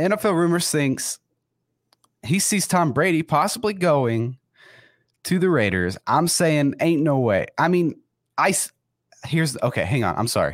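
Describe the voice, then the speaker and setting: On a very clean recording with a silent background, a man with a fairly high voice talks at a moderate pace with lively intonation, very even loudness, and long, frequent pauses. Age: 20s. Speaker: podcast host. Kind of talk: casual sports talk.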